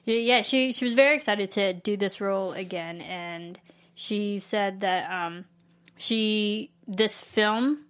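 Woman, casual film-chat co-host, mid-pitched, chatty, restarts sentences, laughs easily. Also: slow pace, clear, resonant tone. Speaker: podcast co-host.

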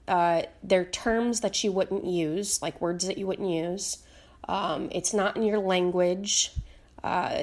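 A woman speaking casually to camera as a teacher, her voice a little raspy, with many fillers and restarts. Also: medium pitch. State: slightly raspy voice. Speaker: psychic medium teacher.

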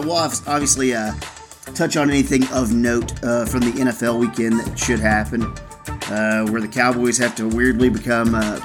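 A man hosting a sports podcast, chatting casually with cohosts and signing off the show with plenty of fillers. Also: mid-range voice. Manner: relaxed, filler-heavy sign-off. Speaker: podcast host.

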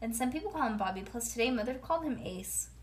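A woman voicing an excitable, bossy little girl with a childish, exuberant way of talking, in a storybook reading. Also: fairly high pitch, fast, lightly acted. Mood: insistent. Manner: childish grammar, exuberant, boastful.

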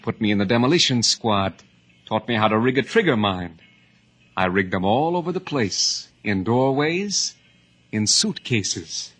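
A man's voice: fairly low pitch, lively intonation, measured pace, a bit bright, slightly rough, heavily acted. A man playing a hardened, menacing escaped bank robber in 1950s radio drama style, speaking in clipped tough-guy phrases.

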